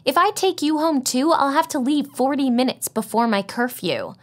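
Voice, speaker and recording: A woman's voice: sits high, lively intonation, normal speed, voice pushed up. A woman voicing a reluctant teenage girl who groans and sounds annoyed on the phone. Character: whiny, reluctant teen girl friend.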